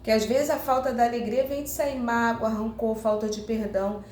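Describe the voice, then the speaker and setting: Brazilian woman preacher, earnest sermon voice, slightly high, roomy echo with faint noise. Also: steady tone, normal speed, a little mellow. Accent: Brazilian Portuguese. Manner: earnest, repeating "irmãs" often; acts out heartfelt prayers to the Lord.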